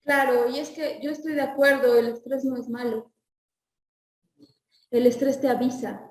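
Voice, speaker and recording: A woman's voice: high voice, fairly even intonation, normal speed, roomy sound, far from the mic, low-quality recording. A woman teaching a class, lecturing and asking her students questions before answering them herself.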